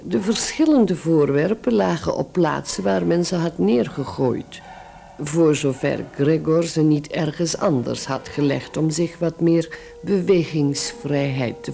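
A man giving measured, literary narration for a radio drama. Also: fairly high pitch, creaky, warm tone, full character voice.

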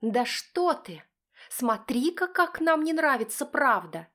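A woman voicing a furious, hysterical wife who shrieks accusations in a raised, shrill voice. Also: big pitch swings, slow, a bit bright, exaggerated voice.

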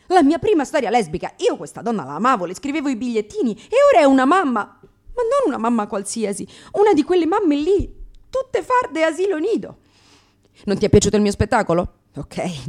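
A woman's voice: on the high side, warm tone. A woman performing a theatrical comic monologue as a brash, neurotic lesbian comedian, sardonic, exclamatory, crude and self-mocking. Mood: mock outrage, then sarcastic, vengeful.

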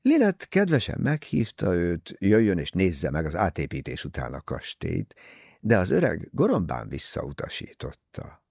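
A man voicing a teasing, easygoing young English gentleman talking with his mother in an audiobook. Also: low-pitched, huge pitch swings, gravelly, breathy edge, no room sound, studio quality, heavily acted. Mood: wry teasing. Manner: wry, teasing.

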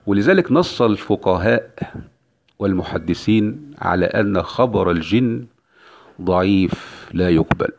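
A man's voice: on the low side, lively intonation, unhurried, long pauses. A male Islamic preacher giving an emphatic religious lecture, repeating key phrases for weight. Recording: dull lo-fi recording.

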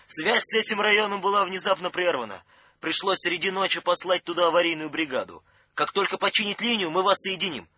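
An actor in a radio play playing a businesslike night telephone operator with a husky, sharp voice. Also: male voice, high voice, brisk, no room sound, full character voice.

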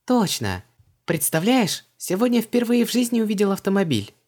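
A man voicing a flustered, talkative young woman in a high put-on voice. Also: sing-song, normal speed. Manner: high, bright, breathless.

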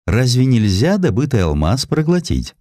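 A man's voice: mid-range voice, big pitch swings, normal speed, warm tone, no room sound, clean studio sound, voice pushed up, natural voice. A man voicing a demure, calculating princess in a storybook reading, speaking with delicate, genteel modesty. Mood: delicate curiosity. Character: demure, calculating aristocratic woman, a scheming princess.

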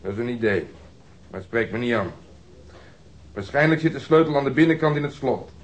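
An actor playing a brash, sardonic police detective in a radio drama, blunt and commanding. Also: male voice, mid-range voice, lively intonation, brisk, lightly acted. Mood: sardonic, brisk. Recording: muffled, noisy old radio drama recording.

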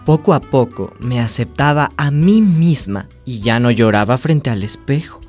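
A woman's voice: a bass voice, lively intonation, normal speed, a little mellow, faint music behind. A woman playing a hopeful, sensitive young trans woman who confides her life story in a radio drama. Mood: reflective narrating. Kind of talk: radio drama narration and dialogue.

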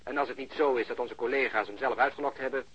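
A man playing a blunt, cynical policeman in a radio drama, talkative and sardonic, with a rough voice over a phone line. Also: medium pitch, steady tone, fast talker, fairly bright tone. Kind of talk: Dutch radio drama acting. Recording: muffled band-limited phone line.

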